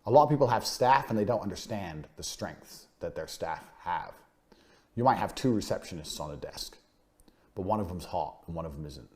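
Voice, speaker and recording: Lowish-voiced guy lecturing about selling, cocky, swears a lot, repeats his points hard. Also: lively intonation, moderate pace, a little mellow. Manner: blunt, boastful, swears freely; punchy, emphatic repetition. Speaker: business course speaker. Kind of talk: motivational business lecture.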